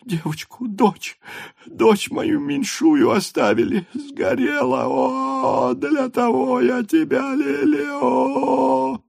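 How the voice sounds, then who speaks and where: A man's voice: extremely high pitch, expressive, drawn-out words, gravelly, darkish tone, no echo, clean studio sound, pitched above the performer's own voice, exaggerated voice. A man putting on a sobbing, wailing mother. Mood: sobbing plea. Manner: wailing, pleading through sobs. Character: desperate sobbing townswoman, middle-aged mother. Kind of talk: audiobook character voice.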